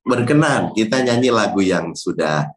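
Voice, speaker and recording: A man's voice: on the low side, lively intonation, moderate pace. A man from Indonesia, a Catholic priest, joking in a devotional chat and reciting rhyming verses. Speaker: Catholic priest, guest speaker. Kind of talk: relaxed devotional chat with rhymes and a hymn.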